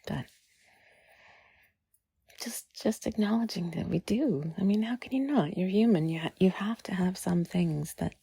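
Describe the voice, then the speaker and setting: A woman giving intimate whispered comfort talk, soothing and gently reassuring, in a breathy, husky whisper with drawn-out pauses. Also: fairly low pitch, dry recording. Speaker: audio creator speaking to the listener.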